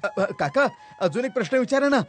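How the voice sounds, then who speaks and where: A man voicing an earnest young bachelor with an exclaiming, dramatic manner in an animated story. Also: very high-pitched, moderate pace. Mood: excited admiration. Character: earnest young bachelor searching for a perfect bride. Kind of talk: animated storybook character acting.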